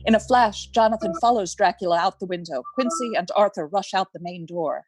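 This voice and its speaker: A woman narrating the action of a gothic horror radio play in a measured, dramatic, scripted style. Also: medium pitch, faint music behind, lightly acted. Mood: suspenseful. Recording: clearly noisy live recording.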